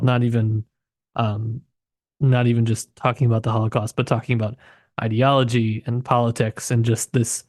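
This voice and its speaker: A man's voice: medium pitch, darkish tone, dry recording, studio quality. A man co-hosting a casual literary discussion, speaking in a reflective, tentative way and often qualifying his own points. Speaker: podcast co-host discussing literature.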